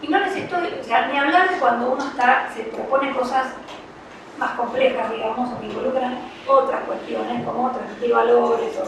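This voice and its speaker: High-voiced Rioplatense woman in echoey room. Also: moderate pace, background noise. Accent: Rioplatense Spanish. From Argentina. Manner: conversational, explains with frequent fillers. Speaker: child psychology professional. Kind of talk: informal talk to parents. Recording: echoey room, distant mic, faint ambience.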